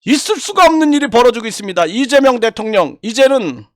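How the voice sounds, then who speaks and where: A man's voice: very high-pitched, very animated, fast, no echo, clean studio sound. An older man giving impassioned political commentary, indignant and full of rhetorical questions and repeated phrases. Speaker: YouTube commentator.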